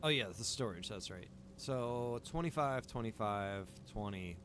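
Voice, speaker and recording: A man's voice: lowish voice, lively intonation, measured pace. A man streaming a video game, chatting casually and thinking aloud in a rambling way. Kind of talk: casual chat while playing a game. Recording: clear background noise.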